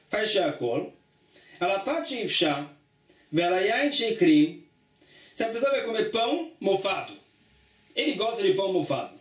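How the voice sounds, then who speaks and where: A man teaching a religious study lesson, reading a passage aloud and then explaining it plainly, often repeating himself. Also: high-pitched. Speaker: Talmud teacher. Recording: echoey room, distant mic.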